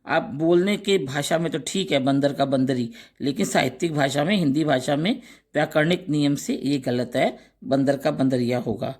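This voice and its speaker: A man teaching a grammar lesson, slowly reciting pairs of words one by one and adding short explanations. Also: on the high side, darkish tone. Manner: slow, deliberate recitation of word lists with brief explanations.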